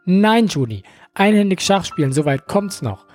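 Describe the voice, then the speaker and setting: A man's voice: high voice, sing-song, normal speed, a little mellow, faint music behind, pitched above the performer's own voice. A man voicing a bumbling young boyfriend with an exaggerated soap-opera delivery. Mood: stubborn.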